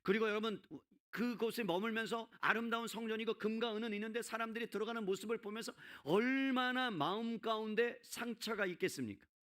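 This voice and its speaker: A man's voice: sits high, brisk, few pauses, fairly bright tone. A male pastor delivering a Sunday sermon, often calling out to the congregation and voicing a character's inner thoughts. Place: church sanctuary.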